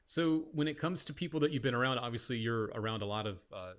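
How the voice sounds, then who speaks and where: Relaxed male interview host. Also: mid-range voice, fast. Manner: relaxed, reads viewer questions. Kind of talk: casual interview.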